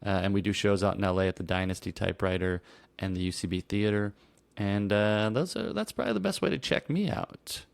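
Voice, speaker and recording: Rambling low-voiced man, self-deprecating. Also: brisk, creaky, no room sound. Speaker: podcast guest, improv performer. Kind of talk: casual chat. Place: Los Angeles.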